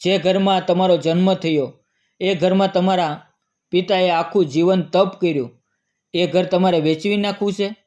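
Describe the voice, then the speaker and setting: A man's voice: high-pitched, fairly even intonation, unhurried, a little mellow, highs cut off. A man reading as scolding village folk. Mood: angry reproach.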